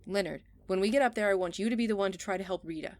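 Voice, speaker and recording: A no-nonsense action heroine played by a woman in an audio drama. She talks quickly at a middling pitch, blunt and impatient, giving orders like someone in charge. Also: close to an everyday voice. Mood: commanding. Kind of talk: audio drama comedy acting.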